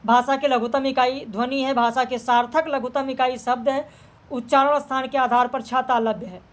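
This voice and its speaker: A woman teacher running through exam practice questions, reading each one and checking the answers in a brisk, matter-of-fact way. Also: high voice, fairly even intonation.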